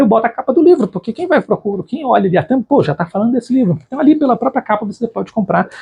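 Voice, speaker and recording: A man talks at a very fast pace, his voice pitched high and swinging very widely up and down. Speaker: book YouTuber. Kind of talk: casual Q&A monologue.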